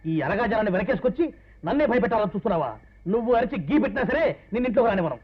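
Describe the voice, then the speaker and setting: An actor playing a domineering, greedy old grandfather in a film drama, scolding loudly. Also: high-pitched, lively intonation, racing. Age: older. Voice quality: scolding, blustering. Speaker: stubborn grandfather. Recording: dull old film soundtrack with music.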